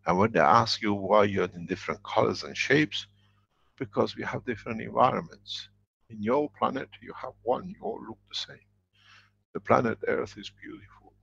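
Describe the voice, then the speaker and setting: Lecturing man, very deep gravelly voice, husky, emphatic and repetitive, dull lo-fi recording. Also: moderate pace, fairly bright tone. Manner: emphatic, repeats key phrases. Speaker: workshop lecturer. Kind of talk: spoken workshop lecture.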